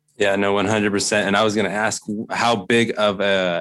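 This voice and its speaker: A man with an American accent talks in a fairly low pitch, recorded very cleanly against a silent background. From Oregon, Portland area (Beaverton). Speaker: new real estate agent. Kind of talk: coaching session. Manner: halting, many fillers.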